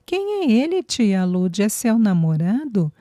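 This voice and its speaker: A woman's voice: medium pitch, sing-song, measured pace, warm tone, no echo, clean studio sound. A woman doing a chatty little girl. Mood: eager. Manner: childlike, earnest and eager. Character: small lively little girl, chatty and candid.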